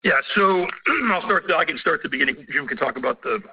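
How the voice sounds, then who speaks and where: A man answering as a company executive on an earnings call, speaking off the cuff in a halting way with repeated words and throat-clearing. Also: on the high side, expressive. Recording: dull, band-limited conference call audio.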